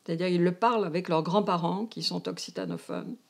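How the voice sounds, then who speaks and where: An older French woman, seventies or above, with a Parisian northern accent, looks back on her career as an anthropology professor, now emeritus, in a filmed interview while seated indoors at home. Her fairly low, gravelly voice is very animated and brisk, though she hesitates as she searches for words.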